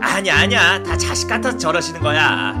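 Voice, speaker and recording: A man's voice: fairly high pitch, sing-song, brisk, over loud music. A man voicing a cheerful, sheepish young male college student, placating and good-natured, in a comic webtoon dub.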